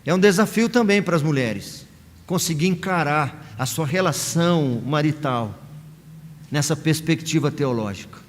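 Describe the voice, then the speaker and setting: A male pastor with a Brazilian Portuguese accent preaching a sermon, pausing often and acting out short quoted lines. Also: fairly high pitch, animated, slight background noise. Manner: preaching with many pauses and acted quotes. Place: church sanctuary. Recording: long hall reverb in church.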